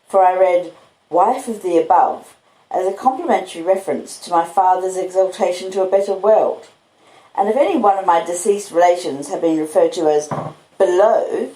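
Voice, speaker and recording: A woman with an Australian accent, reading and chatting in an unhurried, cosy storytelling way, recorded on basic home equipment. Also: lowish voice, warm tone. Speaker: podcaster and audiobook reader. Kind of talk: relaxed live chat and literary storybook reading. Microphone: laptop and phone microphones. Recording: roomy echo, basic laptop and phone audio.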